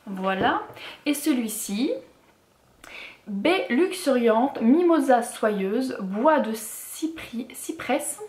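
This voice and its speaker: Woman vlogger, casual and rambling, slightly high voice, roomy echo. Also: animated, extremely slow, darkish tone. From France. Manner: chatty, many fillers and restarts. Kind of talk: casual haul vlog.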